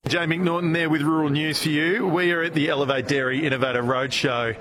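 A man's voice: on the high side, steady tone, brisk. Radio guy doing a chatty interview, crowd noise going on behind. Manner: friendly, conversational questioning. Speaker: radio reporter. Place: busy trade show room.

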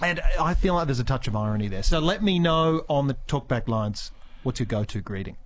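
Playful radio presenter. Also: male voice, mid-range voice, expressive, a little fast. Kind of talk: casual talkback radio chat. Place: radio studio.

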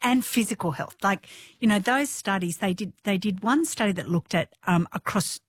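Enthusiastic woman with an alto voice. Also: moderate pace. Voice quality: low alto voice. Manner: enthusiastic, warm, laughs often. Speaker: physiotherapist guest. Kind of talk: casual radio interview.

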